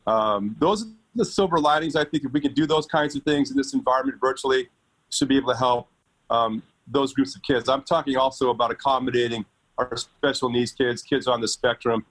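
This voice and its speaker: Brief: male education panelist, mid-pitched, earnest, stumbling a little. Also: fairly bright tone, low-quality recording. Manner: earnest, halting with repeats. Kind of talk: webinar panel discussion.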